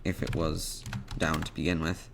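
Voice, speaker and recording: A man presenting an unscripted programming tutorial, thinking aloud in a halting way as he types out code. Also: rumbling low, level tone, gravelly, noisy background.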